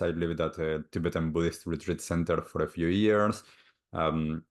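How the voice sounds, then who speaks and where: A man from Argentina with an Argentine Spanish accent, speaking slowly and gently as a guest healer on a video call, often repeating words as he searches for the next one. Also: sits low. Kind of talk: calm reflective interview answers.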